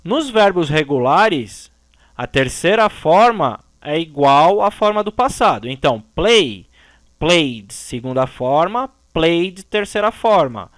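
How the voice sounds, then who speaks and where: A male English teacher talks slowly and carefully, and his fairly high voice rises and falls a lot. He explains each rule step by step and checks in with the students often. The recording is dry and close, with no room sound. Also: very animated, a bit bright, dry recording. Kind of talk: recorded grammar lesson.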